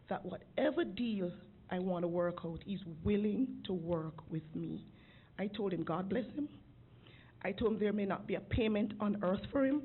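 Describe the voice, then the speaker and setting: A woman making an earnest, emotional public comment at a city council podium microphone. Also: lowish voice. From outside Georgia. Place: city commission chamber. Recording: phone-like lo-fi council recording with faint hiss.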